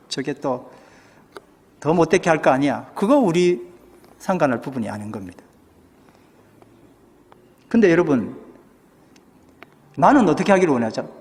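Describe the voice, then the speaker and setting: A male pastor preaching a sermon, putting questions to the congregation and acting out what people say. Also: high-pitched. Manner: asks the congregation questions, acts out quoted speech. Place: church. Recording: church hall with long reverb.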